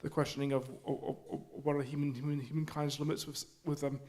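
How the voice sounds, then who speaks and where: A man speaking at a community forum, halting with many restarts and fillers. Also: on the high side, flat delivery, darkish tone. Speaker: forum audience member. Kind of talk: spontaneous public remarks. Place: community hall.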